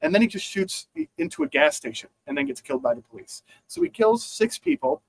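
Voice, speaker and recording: A man chats about the news in a loose, rambling way, stopping and restarting his sentences and filling gaps with "uh" and "like." His voice sits a little high for a man. The sound is dry and close, with no room around it. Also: huge pitch swings, fairly quick, creaky, breathy edge, no echo, poor audio. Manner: rambling, many fillers and restarts. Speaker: podcast co-host. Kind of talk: casual news chat.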